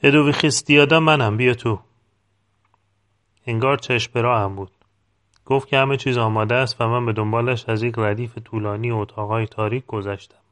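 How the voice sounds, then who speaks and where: A man reading a novel aloud in calm, measured scripted narration. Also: medium pitch. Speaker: audiobook reader.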